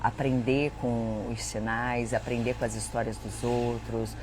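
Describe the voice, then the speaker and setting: A Brazilian woman hosting a live spiritual chat, telling personal stories in an animated, dramatic way and often addressing her viewers. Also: extremely low pitch, measured pace, background noise. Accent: Brazilian Portuguese. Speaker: host.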